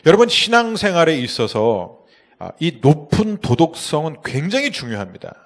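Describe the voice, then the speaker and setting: A male pastor preaching a sermon, swinging between loud emphatic calls and soft, hushed asides. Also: on the high side, wildly swooping pitch, normal speed.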